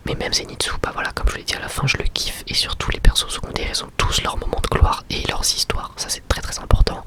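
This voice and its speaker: A young adult man gives an informal, slangy ASMR review in a breathy, unvoiced whisper. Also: fast. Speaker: ASMR creator and anime reviewer.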